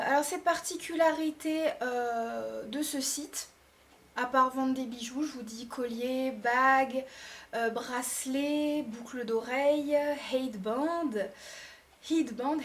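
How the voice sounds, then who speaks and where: A woman beauty vlogger giving a casual product review to the camera. She chats directly to her viewers and lists items one by one. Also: a little high.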